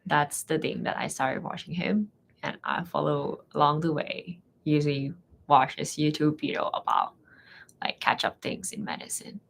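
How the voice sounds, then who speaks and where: A young woman with a Thai accent, a native Thai speaker, chatting casually in halting non-native English. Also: low-pitched, sing-song, gravelly, fairly bright tone, slight background noise. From Thailand. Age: young adult. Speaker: guest, medical trainee. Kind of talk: casual chat.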